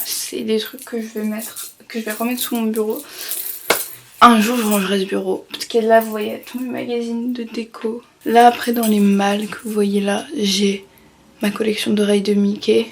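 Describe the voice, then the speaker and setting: A woman's voice: a little high, distant mic, background noise. Chatty young woman in an echoey room. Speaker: vlogger. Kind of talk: casual vlog chat while tidying. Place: her bedroom, indoors. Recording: echoey room, voice from off-mic, faint background clatter.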